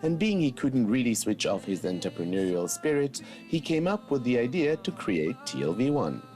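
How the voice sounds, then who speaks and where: A man reading a scripted news voice-over in a lively delivery. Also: mid-range voice, normal speed. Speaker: narrator. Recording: voice-over over loud music.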